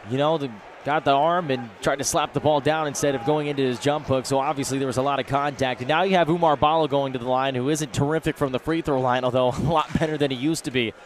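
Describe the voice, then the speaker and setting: A man's voice: medium pitch, steady tone, fast talker. A man giving live analysis as a color commentator at a basketball game. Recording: faint crowd and gym noise behind. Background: basketball game crowd.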